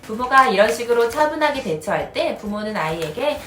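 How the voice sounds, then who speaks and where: A woman in her thirties calmly explaining parenting advice as the host of an educational video. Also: on the high side, fairly quick, music in the background. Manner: calm, even, instructive. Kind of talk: scripted explanatory narration. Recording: roomy echoey recording.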